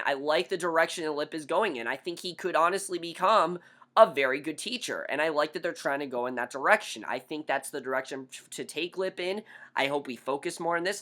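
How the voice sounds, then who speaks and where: A man casually reviewing a TV episode, blunt and opinionated, his voice hoarse after being sick. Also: fairly high pitch, bright, forceful tone. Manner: blunt, opinionated, repeats himself. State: hoarse from recent illness.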